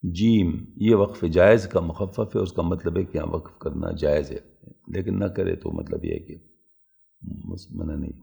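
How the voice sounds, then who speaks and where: A man with a low, heavily gravelly voice teaches a religious lesson. His tone is dark and husky, and he explains methodically and patiently, one point at a time. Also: lively intonation.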